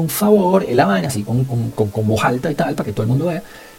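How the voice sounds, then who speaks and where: A man talks with a Venezuelan accent and very wide pitch swings. Noticeable background noise sits behind him. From Venezuela, Valencia (Carabobo). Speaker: podcast host. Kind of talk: casual solo podcast monologue. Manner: halting, many fillers and repeats.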